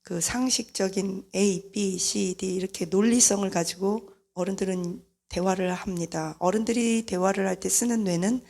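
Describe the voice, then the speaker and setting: A middle-aged woman preacher giving a lively sermon-style talk about parents and children, acting out family voices along the way. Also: medium pitch, moderate pace, creaky, hardly any pauses. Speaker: mission leader and preacher.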